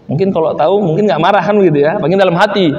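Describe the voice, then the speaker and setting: High-voiced male preacher in an echoey hall. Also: racing, dull audio, slight background noise. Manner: animated storyteller who acts out quoted voices. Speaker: ustadz preacher. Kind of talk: sermon with storytelling. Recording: echoey hall with long reverb.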